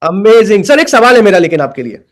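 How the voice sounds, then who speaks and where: An excitable man with a high voice hosts a webinar interview. He talks quickly and gushes as he asks his questions. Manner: excitable, gushing.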